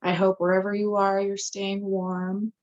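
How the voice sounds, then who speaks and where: A woman's voice: medium pitch, little pitch movement, measured pace, darkish tone. A woman in her thirties getting over a cold, a tribal realty specialist explaining a topic in a casual town hall with lots of filler ums. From Umatilla Indian Reservation, Oregon. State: recovering from a cold. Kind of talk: informal presentation in a town hall. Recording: muffled lo-fi audio.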